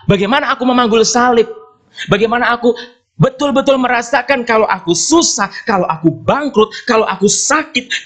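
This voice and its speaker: A man in his fifties, a Catholic priest preaching a sermon at Mass and telling a story, often calling out to his listeners. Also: high-pitched. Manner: storytelling, addresses listeners often as brothers and sisters. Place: church during Mass.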